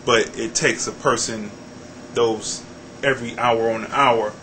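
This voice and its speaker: Bright, forceful American man hosting. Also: mid-range voice, fairly even intonation, measured pace, a little hiss or hum. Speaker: web show host interviewing. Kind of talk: casual interview chat.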